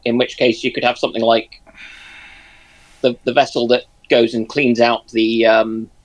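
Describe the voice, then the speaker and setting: A man's voice: mid-range voice, little pitch movement, moderate pace, poor audio. A man in casual discussion as a live-stream panelist, thinking aloud with hesitant, repeated words.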